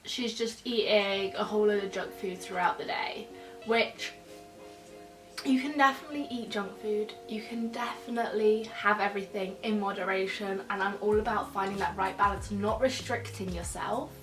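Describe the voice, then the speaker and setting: A young woman, a nutrition student, talking casually to camera while croaky and stuffed up from a cold, explaining things in a chatty way. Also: medium pitch, fairly even intonation, normal speed, recorded from a distance. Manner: chatty and explanatory, many fillers like "so" and "yeah". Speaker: nutrition student reacting to videos. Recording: echoey room, voice a bit off-mic, soft music behind.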